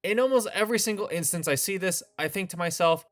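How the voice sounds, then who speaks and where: A man's voice: high-pitched, fast talker. A man hosting a scripted commentary video, opinionated with a wry, sarcastic edge. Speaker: video essay host.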